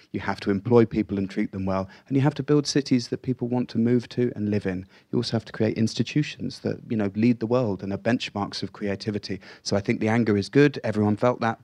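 A man on a panel, making a measured, persuasive case in rhythmic lists. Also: on the low side, gravelly, a little mellow, dry recording, clean studio sound. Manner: measured, persuasive, list-like rhetoric. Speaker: panelist, magazine editor. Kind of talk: panel discussion.

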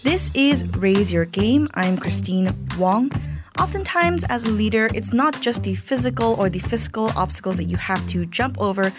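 A woman's voice: mid-range voice, lively intonation, moderate pace. A woman hosting a business radio podcast, introducing her guest and asking questions fluently with casual fillers. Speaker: podcast host. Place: radio studio. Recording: dry studio with faint music.

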